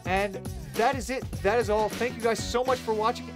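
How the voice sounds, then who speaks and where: A man's voice: high-pitched, fairly even intonation, normal speed, over music. A man from Canada hosting his channel, talking upbeat and direct to the camera in a studio. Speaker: channel host. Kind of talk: casual video intro to camera.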